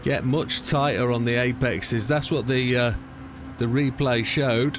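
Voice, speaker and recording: A man at a very even loudness with fairly even intonation, music in the background. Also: medium pitch for a man, moderate pace. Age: 60s. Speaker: sim racing streamer. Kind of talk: live gaming commentary. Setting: livestream.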